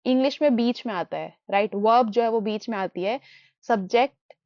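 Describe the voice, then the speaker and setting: A fairly high-voiced woman teaches a beginner language lesson, switching between Hindi and English as she explains. She says each new word slowly, two or three times over, like a classroom drill. The sound is dry and a little dull, with no room echo. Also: a little mellow. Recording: dull, muffled dry recording.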